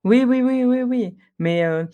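A woman's voice: on the high side, measured pace, dull audio. A woman hosting a podcast who talks in an affectionate, hesitant way with frequent fillers. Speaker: podcast host. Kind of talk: casual conversation.

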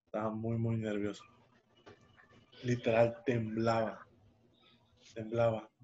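A man's voice: lowish voice, monotone, slow, a little mellow, a little hiss or hum. A young man tells a personal story on a podcast, rambling with restarts and fillers. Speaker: podcast co-host. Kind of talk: casual storytelling. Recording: dull lo-fi sound.

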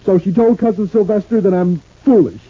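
A man acting a proud, gullible working-class husband in an old-time radio serial, with a plaintive, folksy, halting delivery. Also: high-pitched, husky. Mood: wounded. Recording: muffled old radio recording.

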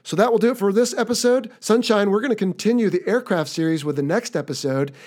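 Talking fast in a high, slightly mellow voice, an American podcast host brings his episode to a close. His manner is casual, cheerful, and conversational.

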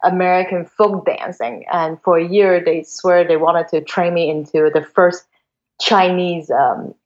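A woman from Hong Kong in her forties, talking as a guest in a relaxed, meandering way and restarting her sentences often. Her voice sits a little low, and the recording sounds dull and lo-fi. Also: a little slow. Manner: chatty, many fillers and restarts. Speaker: guest, venture investor. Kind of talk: casual interview storytelling.

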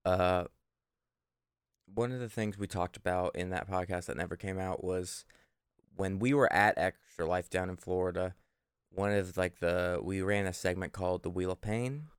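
A man's voice: low-pitched, fairly even intonation, normal speed, smooth, no echo, clean studio sound. A man co-hosting a podcast, telling stories in a casual, informal, mildly profane way. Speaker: podcast co-host. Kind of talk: casual podcast chat and storytelling.

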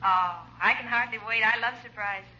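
An actress playing a soft-spoken, coy young girlfriend in a 1950 radio comedy. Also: fairly high pitch, normal speed, muffled recording, background noise, lightly acted.

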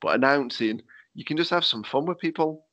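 A man's voice: medium pitch, a little fast, fairly bright tone, no echo. Man with a slight lisp hosting a podcast. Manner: rambling, filler-heavy questions. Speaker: podcast host. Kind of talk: casual chat. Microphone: remote call. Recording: dull lo-fi call audio.

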